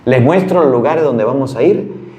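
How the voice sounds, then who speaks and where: A priest from Venezuela giving a sermon, telling a story in an earnest, plain-spoken way. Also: male voice, medium pitch, expressive, normal speed, dark tone, roomy sound, slight background noise.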